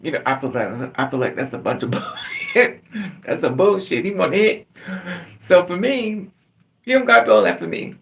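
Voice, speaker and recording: Middle-aged livestreamer, gravelly, chatty. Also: mid-range voice, wildly swooping pitch, moderate pace, long pauses. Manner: candid, chatty, laughs often, addresses viewers. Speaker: livestream host chatting with viewers. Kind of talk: casual livestream chat.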